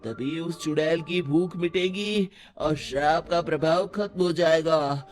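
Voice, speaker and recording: A performer voicing a grave male tantric holy man in an animated story, making slow ominous pronouncements over music. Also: mid-range voice, close to an everyday voice.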